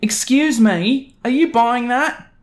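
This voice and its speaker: A man voicing a haughty, indignant, demanding mother in a storytelling narration, with a shrill delivery. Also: slow pace. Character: pushy, indignant entitled middle-class mother, adult woman.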